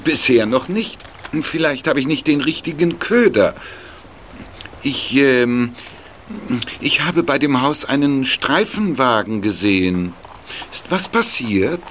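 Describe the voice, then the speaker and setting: A mysterious angler in a radio play, speaking slowly and with camp, swooping intonation. He sounds falsely casual and friendly, over faint background ambience. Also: mid-range voice, animated, fairly bright tone, a little hiss or hum. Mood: feigned friendliness. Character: mysterious, campy angler probing a boy with questions.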